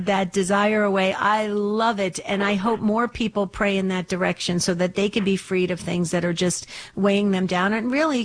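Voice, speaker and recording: A woman hosting a religious call-in radio show, speaking enthusiastically and often repeating her words. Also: mid-range voice.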